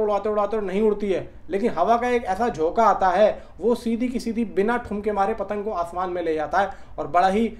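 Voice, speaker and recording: A man's voice: high voice, a little mellow. A man giving casual film news commentary, talking colloquially and directly to fans like a chatty YouTube host. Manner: colloquial, chatty, addresses viewers as brother.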